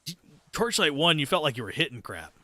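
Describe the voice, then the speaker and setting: Brisk and on the high side, a male streamer and host throws big pitch swings into his casual, cursing live gameplay commentary, bantering with viewers in a sardonic, self-deprecating manner. His voice sounds pushed and bright, with no echo.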